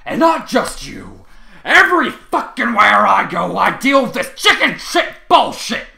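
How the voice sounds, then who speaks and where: A man's voice: very high-pitched, sing-song, brisk, a bit bright, voice pushed up, heavily acted. A man voicing a volatile, foul-mouthed human man who screams and swears in long rants, recorded in an echoey room. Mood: raging.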